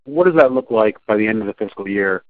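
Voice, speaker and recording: A male analyst with a lowish voice fires off questions at a quick pace. He is heard over a tinny, dry phone line on an earnings call. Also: lively intonation, dry recording. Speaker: financial analyst.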